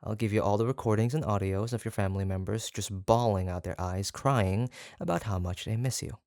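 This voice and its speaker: An actor playing an obsessive, doting yandere kidnapper in a roleplay audio drama, halting and coaxing, tender yet menacing. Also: deep voice, a little mellow, dry recording, clean studio sound. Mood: earnest, scheming. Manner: halting, gushing, coaxing, with nervous stammers. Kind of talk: roleplay audio drama, intimate one-sided monologue.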